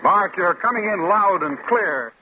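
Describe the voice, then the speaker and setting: Brief: a clipped military radio officer, slightly high voice, heavy hiss. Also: male voice, animated, a little slow. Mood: brisk. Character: brisk ground-control lieutenant. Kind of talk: 1950s radio drama acting. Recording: tinny old radio broadcast, loud hiss.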